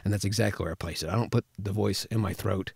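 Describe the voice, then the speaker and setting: Low-voiced man teaching casually, close and dry. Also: fairly even intonation, fast, gravelly, darkish tone, breathy edge, no room sound. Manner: casual, conversational. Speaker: voice actor teaching a tutorial. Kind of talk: informal instructional talk with vocal demonstrations. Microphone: close studio microphone, spoken slightly to the side.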